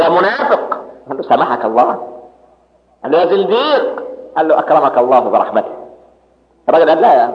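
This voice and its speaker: A man with an Egyptian accent, older, preaching a sermon and acting out the people in his stories. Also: a little high. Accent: Egyptian Arabic. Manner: lively storytelling, acts out quoted people. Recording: muffled recording in echoey hall.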